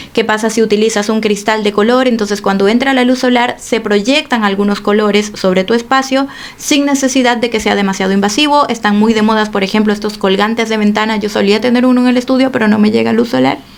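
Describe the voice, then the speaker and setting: A woman's animated, fairly high-pitched voice at a very fast pace with hardly any pauses, over noticeable background noise. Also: ordinary pitch variation, very even loudness. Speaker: art and color educator, YouTuber. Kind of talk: educational video monologue.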